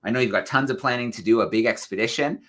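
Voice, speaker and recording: Bright-voiced male host. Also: mid-range voice, fast talker. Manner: upbeat, friendly introductions. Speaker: host of live classroom events. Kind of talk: live video call interview.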